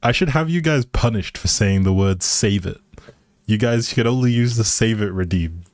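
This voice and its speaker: A man's voice: on the low side, normal speed, darkish tone, no room sound, clean studio sound. A man livestreaming a game with casual, playful, teasing chat to his viewers.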